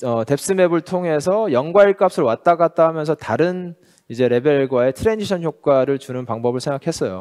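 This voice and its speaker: A man with a fairly high pitch talks with lively intonation, the sound dry and close with no echo. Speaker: conference speaker, tech studio research head. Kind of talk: conference presentation. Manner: fast.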